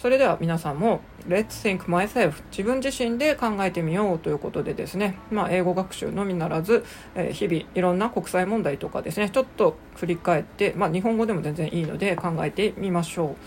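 A woman hosting a casual solo podcast lesson on English exam preparation, talking relaxed and chatty with many fillers, slowing down on English words. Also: on the low side, slight background noise. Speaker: podcast host teaching English exam prep.

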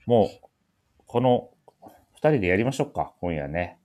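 A man's voice: on the low side, big pitch swings, unhurried, warm tone. A man hosting a casual radio-style talk, bantering and teasing his co-hosts. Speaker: show host, MC.

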